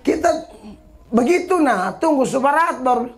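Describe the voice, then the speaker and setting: A woman pastor, preaching an animated, emphatic sermon, often raising her voice. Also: sits high, moderate pace.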